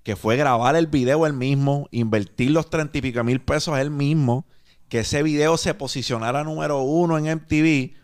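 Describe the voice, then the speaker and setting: A man's voice: fairly high pitch, moderate pace. A man hosting a casual interview, asking easygoing questions.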